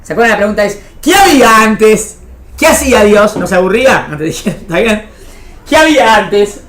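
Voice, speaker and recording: A woman's voice: mid-range voice, lively intonation, moderate pace. A woman with an Argentine Spanish accent teaching a small class, repeating phrases and often asking if it is understood. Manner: didactic, checking understanding with frequent questions. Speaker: religion teacher. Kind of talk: interactive lecture to a small class.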